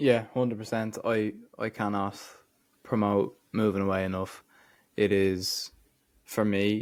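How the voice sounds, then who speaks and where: A man with an Irish accent speaks at a fairly slow pace in a fairly low, flat monotone, leaving long, frequent pauses, on a very clean recording with a silent background. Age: 20s. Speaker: podcast co-host. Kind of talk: casual chat.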